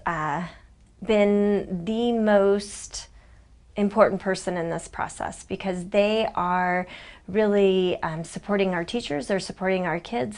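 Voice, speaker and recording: A woman's voice: medium pitch, darkish tone. A woman educator speaks in an interview. She puts firm emphasis on her words. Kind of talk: interview answer.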